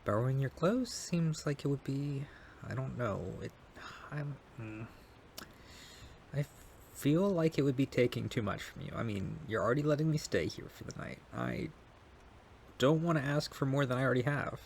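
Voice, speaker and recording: A man's voice: medium pitch, animated, normal speed, vocal fry, a little hiss or hum. A man playing a shy, polite and kind young male neighbor in an intimate ASMR roleplay, speaking hesitantly and apologetically, with stammers. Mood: flustered, hesitant.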